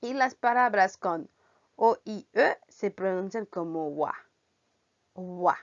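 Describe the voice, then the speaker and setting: A woman's voice: medium pitch, unhurried. A woman French teacher giving a language lesson, spelling out letters and repeating each sound. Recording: dull lo-fi recording.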